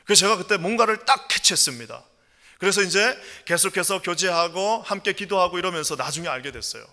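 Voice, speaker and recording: A male pastor preaching a sermon with passion, moving between quiet storytelling and loud, ringing proclamation. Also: high voice, expressive, brisk, big-room sound. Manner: impassioned, swings from hushed storytelling to loud proclamation. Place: church sanctuary.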